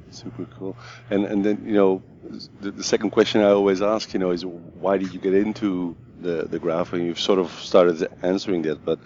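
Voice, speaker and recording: A man hosting an interview podcast, friendly and halting, often repeating words as he asks questions. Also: deep voice, a little mellow, dull audio, slight background noise. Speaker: podcast host.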